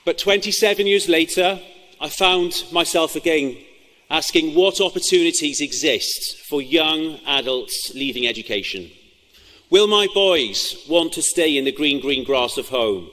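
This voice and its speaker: A man's voice: fairly high pitch, lively intonation, unhurried, sharp tone. A man in his forties, a regional party leader, giving a formal, earnest prepared speech at a press event. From Wales. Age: 40s. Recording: echoey hall reverb.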